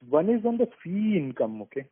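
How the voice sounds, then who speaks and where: A man's voice: high-pitched, sing-song, fairly quick, slight background noise. A man with an Indian accent, an analyst calling in to ask questions on an earnings call. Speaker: analyst caller asking questions. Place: conference call over the phone. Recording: tinny narrowband phone line.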